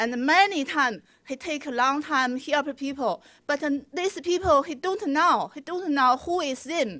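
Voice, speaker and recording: The voice is raised and projected, with a bright, sharp tone and a Chinese accent. It moves at a fairly slow pace with ordinary pitch variation. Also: woman, high pitch for a woman. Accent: Chinese accent, non-native English. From China. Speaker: public commenter at hearing. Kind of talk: public testimony. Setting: public hearing room. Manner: halting, many fillers.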